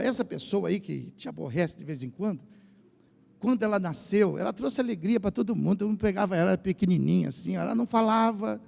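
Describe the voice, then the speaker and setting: A Brazilian man with a São Paulo accent preaching a lively sermon as pastor, drawing the congregation into call and response. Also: very high-pitched, gravelly. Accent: Brazilian Portuguese, São Paulo state. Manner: animated preaching, asks the congregation to repeat phrases. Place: church hall. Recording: church hall with long reverb.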